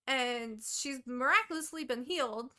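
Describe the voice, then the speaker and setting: Bright, high-voiced woman swearing freely. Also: unhurried. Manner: profane, animated book recap. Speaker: podcast co-host. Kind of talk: casual chat.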